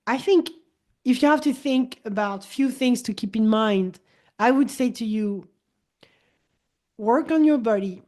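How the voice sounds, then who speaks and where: French-speaking woman in her 40s, kinda high mellow voice, chatty coach, acts out little dialogues. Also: a little slow, pauses often. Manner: animated, repeats words and restarts, acts out quoted dialogue. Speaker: host, wellness coach. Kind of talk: casual podcast conversation.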